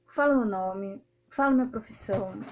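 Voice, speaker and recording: A Brazilian woman in her thirties, speaking with a Brazilian accent, talking straight to her viewers in a loud, outspoken, indignant way. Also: medium pitch, moderate pace, slight background noise. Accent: Brazilian Portuguese. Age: 30s. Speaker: video host. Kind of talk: casual monologue to viewers.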